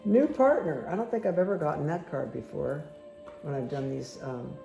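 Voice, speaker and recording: A woman with a croaky voice giving a casual, chatty tarot card reading that speaks directly to the listener. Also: deep voice, moderate pace, poor audio. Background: background music.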